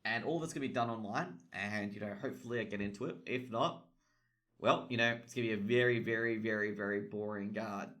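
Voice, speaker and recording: A young Australian esports caster and stream host rambles casually about tournament news, swearing a lot and leaning heavily on filler words. His voice sits fairly low, sounds a bit bright, and moves at a brisk clip.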